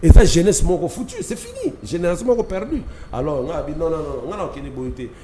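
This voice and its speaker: This Congolese man talks fast and hard, pressing every point, and his voice sits a little high for a man. He mixes French and Lingala in a studio talk-show discussion. Clear noise hangs behind him in the studio. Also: sing-song, warm tone, roomy sound. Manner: emphatic, gesturing, mixing French and Lingala. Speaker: studio guest, opinion leader.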